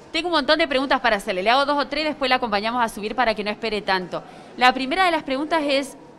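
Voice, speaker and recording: Very fast speech with lively intonation over light background noise. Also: woman, high pitch for a woman. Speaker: TV reporter. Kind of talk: TV news interview. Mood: warm, playful. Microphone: handheld.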